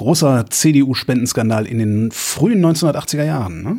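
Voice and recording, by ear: At a fairly quick pace, a man speaks with lively intonation at a medium pitch, his tone slightly mellow with a slightly husky edge.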